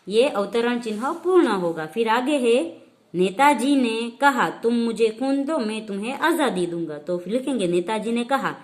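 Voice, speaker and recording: A woman teacher from India walking children slowly through a language lesson, dictating answers step by step. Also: fairly high pitch. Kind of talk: slow explanatory lesson for children.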